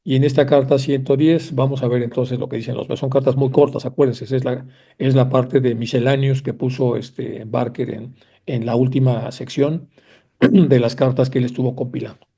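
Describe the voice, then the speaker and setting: A man's voice: mid-range voice, steady tone, moderate pace, vocal fry, mellow, husky. A man lecturing on theosophy, reading passages aloud and then commenting on them in a conversational way, talking directly to his listeners. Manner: addresses listeners directly, with fillers. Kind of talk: reading aloud and explaining texts to a class.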